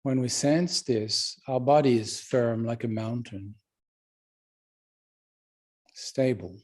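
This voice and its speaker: A medium-pitched man guides a meditation as its teacher, speaking calmly and gently with unhurried pauses.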